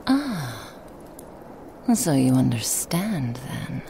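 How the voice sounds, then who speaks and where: A woman voicing a seductive, sly female Christmas demon in an ASMR roleplay, whispering softly and teasing. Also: rumbling low, sing-song, drawn-out words, vocal fry, slight background noise, exaggerated voice. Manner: soft whispering, teasing and insinuating.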